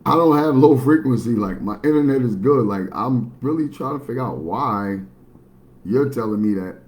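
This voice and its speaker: A man's voice: animated, normal speed, a little mellow. A man, talking bluntly and matter-of-factly in a rambling livestream monologue. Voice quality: baritone. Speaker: livestream host.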